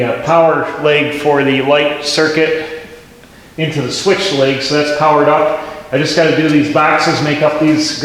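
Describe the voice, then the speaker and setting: A man's voice: a little high, fairly bright tone. A man hosting a do-it-yourself video, explaining his work step by step as he goes and thinking aloud with frequent restarts. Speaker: DIY channel host. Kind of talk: casual step-by-step explanation while working. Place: pole barn workshop. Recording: echoey, reverberant barn space.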